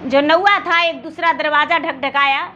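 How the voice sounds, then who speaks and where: A woman with a Bihari accent narrates a religious folk story in an extremely high, bright voice. She takes her time, speaking in a homely village manner and repeating phrases for emphasis. The recording is dull and lo-fi, with faint noise behind her. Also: fairly even intonation, moderate pace. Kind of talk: oral storytelling with acted dialogue, addressing a devotional gathering.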